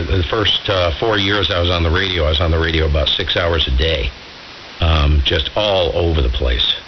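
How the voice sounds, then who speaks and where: A man chatting casually as an amateur radio operator on AM, informal and musing, with emphatic phrasing. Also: low voice. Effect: AM ham radio transmission. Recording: muffled AM radio with loud hiss. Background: radio hiss.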